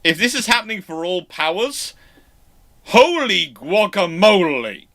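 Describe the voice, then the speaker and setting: A man's voice: high voice, big pitch swings, a bit bright. A man hosting a casual live question-and-answer chat, stammering through false starts and repeating himself. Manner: halting, stammering false starts and self-repetition.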